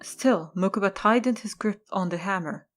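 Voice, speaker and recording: Woman narrating over soft music. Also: medium pitch, normal speed. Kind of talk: scripted audio drama narration.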